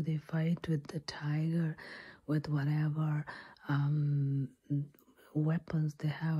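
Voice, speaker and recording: A woman whispering an unscripted ASMR story in a breathy, unvoiced voice, with halting phrases and repetition. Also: sits low, warm tone. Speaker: ASMR storyteller and channel host.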